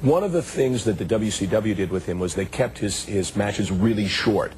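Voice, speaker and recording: Hoarse-voiced talk show host man. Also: on the low side, expressive, darkish tone, slight background noise. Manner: brisk, pointed, teasing. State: voice going hoarse. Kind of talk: interview questioning. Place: TV talk show studio set. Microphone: lapel mic.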